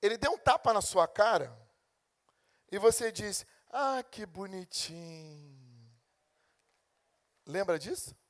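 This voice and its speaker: A man with a Brazilian Portuguese accent preaches a sermon as a pastor, animatedly acting out God and his complaining congregation in turn. His voice sits high, and he speaks at a moderate pace with long pauses.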